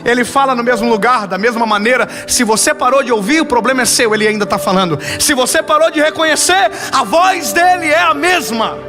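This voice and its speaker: A young man preaching in Brazilian Portuguese, telling a story and swinging from rising emphasis to low, hushed lines. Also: a little fast, few pauses, music in the background. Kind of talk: sermon with a story.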